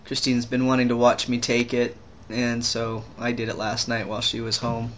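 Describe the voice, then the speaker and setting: Rambling young trans man on a flat hum. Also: medium pitch, dull audio. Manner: rambling, halting, many restarts and fillers. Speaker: vlogger. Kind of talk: casual video diary.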